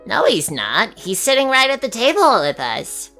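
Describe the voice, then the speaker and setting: A woman's voice: fairly high pitch, wildly swooping pitch, normal speed, sharp tone, soft background music, heavily acted. A woman voicing a young male pony colt, a whiny, eager child, in a fan fiction reading. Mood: eager, earnest. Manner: childish, whiny, hesitant wording.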